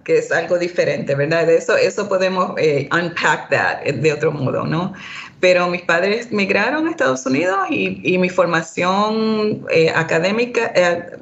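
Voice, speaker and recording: A woman who grew up in Boston, speaking as an academic panelist in a hesitant, reflective way, dropping into English now and then. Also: on the low side. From Boston, United States. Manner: hesitant, fillers, slips into English. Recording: slightly dull lo-fi audio.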